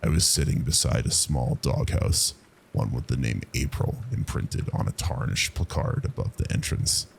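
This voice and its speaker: A man narrating a scripted first-person horror story in a low, haunting, gravelly voice. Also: moderate pace, slight background noise. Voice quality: very deep, gravelly.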